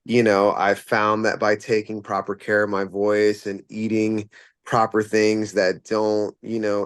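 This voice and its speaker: A man's voice: fairly low pitch, no room sound. A man who fronts a rock band, answering interview questions casually and rambling with plenty of fillers and restarts.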